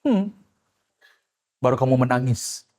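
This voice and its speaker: A male pastor preaching a sermon, swinging between loud exclamations and quiet asides and acting out the people he quotes. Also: mid-range voice, animated, takes it slowly.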